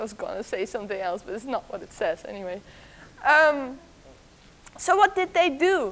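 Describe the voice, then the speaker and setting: A woman with a Dutch accent speaks in a high voice at a moderate pace, her pitch swinging very widely. Her loudness rises and falls sharply, and long pauses come often. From Netherlands. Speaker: artist giving talk. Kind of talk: lecture. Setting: lecture hall with audience. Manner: informal, joking, laughs often. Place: hall.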